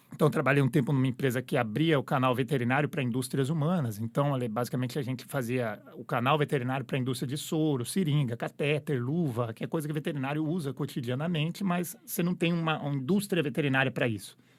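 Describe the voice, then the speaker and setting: A man's fairly high voice in a São Paulo accent, with ordinary pitch variation and a very fast pace. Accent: São Paulo (paulista). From São Paulo state, Brazil (Guarulhos). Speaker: food company CEO, entrepreneur. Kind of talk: podcast interview. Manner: animated.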